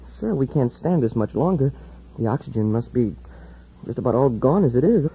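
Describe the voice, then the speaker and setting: An actor playing an eager, loyal young space cadet in an old radio drama. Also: male voice, medium pitch, animated, normal speed, husky. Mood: worried. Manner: earnest, boyish. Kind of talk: 1950s radio drama acting. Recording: dull old radio broadcast recording.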